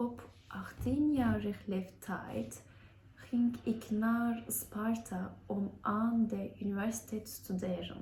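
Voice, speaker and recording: Very slow speech from a woman with a Turkish accent, with audible room echo. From Turkey. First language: Turkish (speaking Dutch). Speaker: language learner. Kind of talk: homework presentation. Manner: halting.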